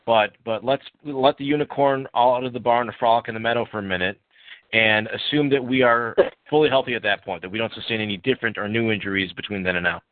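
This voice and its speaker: A man with a middle-pitched voice hosts a casual sports podcast, citing stats and steering the talk. The sound is dry and narrow, like a phone line. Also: fast, dry recording. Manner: numbers-driven, leads the questions. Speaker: podcast host.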